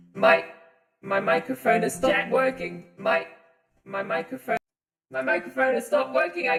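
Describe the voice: A robotic, put-on character voice at a middle pitch, with a moderate pace and long, frequent pauses.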